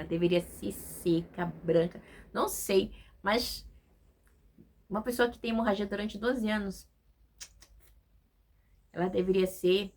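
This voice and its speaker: A woman's voice: medium pitch, a little mellow, a little hiss or hum. A woman with a Brazilian Portuguese accent giving a casual devotional Bible study, reading scripture aloud and checking in with her listeners in a conversational way. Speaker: Bible teacher.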